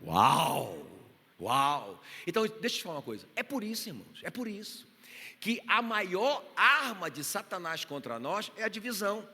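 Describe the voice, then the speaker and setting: A man's voice: high-pitched, big pitch swings, brisk, bright, forceful tone, slightly rough. A man with a Brazilian Portuguese accent preaching a sermon in church, passionate and full of told stories with acted-out quotes. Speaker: pastor. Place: church hall. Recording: reverberant church hall.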